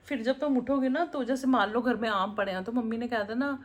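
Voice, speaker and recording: This home vlog features a mother cooking in her kitchen and chatting in a rambling, casual way with frequent laughter. Her voice sits on the high side and she speaks fairly quickly.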